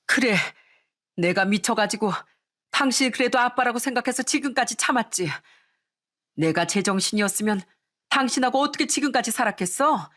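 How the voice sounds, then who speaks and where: A woman's voice: medium pitch, close to an everyday voice. A woman voicing an enraged middle-aged mother who scolds her husband in a radio story. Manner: scolding, shouting.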